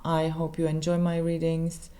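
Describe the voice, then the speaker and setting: A woman with a Polish accent, a native Polish speaker, giving a casual tarot reading in halting English with many restarts. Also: sits low, monotone, warm tone. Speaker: tarot reader.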